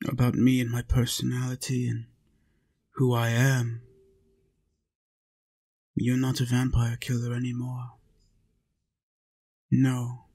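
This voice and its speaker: Slow, even-toned man as a lonely vampire. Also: medium pitch, breathy edge. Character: lonely, tender centuries-old male vampire in a castle. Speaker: roleplay audio performer. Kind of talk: intimate scripted roleplay audio acting.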